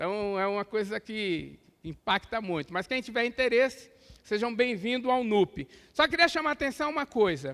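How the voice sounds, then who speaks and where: A man speaks at a moderate pace in a high pitch with a bright, sharp tone and lively intonation. The sound is dry and close with no echo, on a very clean recording with a silent background. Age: 60s. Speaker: professor. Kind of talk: lecture.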